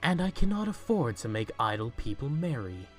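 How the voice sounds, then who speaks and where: A man's voice: medium pitch, big pitch swings, normal speed, a bit bright, soft background music. A man playing a cold, miserly, irritable company boss in a fan audio drama, curt and scornful.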